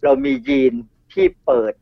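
A middle-aged man, appearing as a toxicologist guest on a radio show, talks at a normal speed in a dry recording. His explanations are chatty, full of asides and repetition, and the studio sound is dull.

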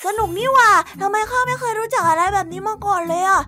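A woman voicing a grumpy young male cartoon character who talks in a gruff, rustic way and exclaims often. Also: very high-pitched, fast talker. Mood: delighted. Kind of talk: children's cartoon voice acting. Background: music.

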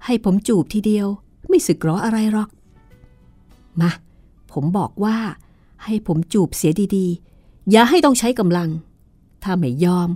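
A woman's voice: medium pitch, animated, measured pace, long pauses, mellow, dry recording, faint music behind. Smug lecherous young man, taunting, leering, storybook villain, read by a woman, dry close sound.

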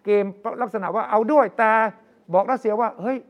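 A man's voice: high voice, fairly quick. A man in casual political talk, telling stories and acting out quotes as a news analyst. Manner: storytelling, acts out quotes.

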